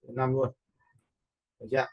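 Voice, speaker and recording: Người đàn ông hướng dẫn, giọng hơi khàn. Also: male voice, mid-range voice, completely flat delivery, moderate pace, muffled recording. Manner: informal, step-by-step, often checking in with listeners. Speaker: video editing instructor. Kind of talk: casual screen-recorded software tutorial. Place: indoors, voice-over for a screen recording.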